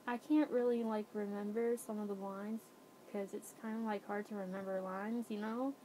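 A woman's voice: fairly even intonation, moderate pace, warm tone, low-quality recording. A young adult woman chatting casually to viewers in a self-effacing, hesitant way, as an amateur voice actor. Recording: faint rumbly background noise.

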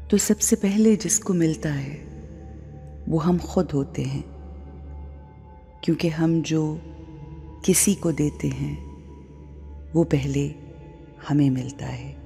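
Woman, guided meditation leader, mellow dark tone, very slow deliberate delivery, long pauses, background music. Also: low voice. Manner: deliberate, with long pauses between short phrases. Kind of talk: guided meditation, spiritual talk.

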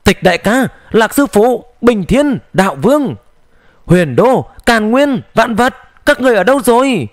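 A man's voice: sits high, lively intonation, moderate pace, no echo, clean studio sound. Man voicing a grieving immortal calling out in anguish. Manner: shouting in anguish, trembling voice. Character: grieving immortal man searching a dead void.

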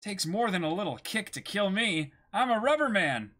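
A man's voice: high voice, very animated, moderate pace, a bit bright, voice pushed up, full character voice. A man voicing a carefree, bold boy pirate in a manga reading.

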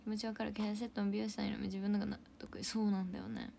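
A young woman hosting a casual idol livestream. She reads out viewer comments and thanks them for gifts, and often drops into soft, whispery asides. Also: mid-range voice, flat delivery, very fast, creaky, noisy background.

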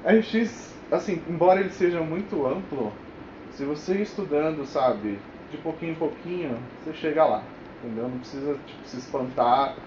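A man's voice: fairly high pitch, moderate pace. Brazilian man presenting in an echoey room. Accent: Brazilian Portuguese. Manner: colloquial, frequent check-in tags. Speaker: developer giving a technical talk. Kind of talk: informal tech presentation with live demo. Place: indoor meetup room with whiteboard. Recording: echoey room, dull sound, clear noise.

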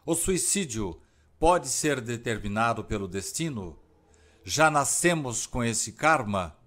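A man with a Brazilian Portuguese accent reads out prepared interview questions in a formal, deliberate manner. His voice sits at a plain middle pitch for a man. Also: animated, fairly bright tone.

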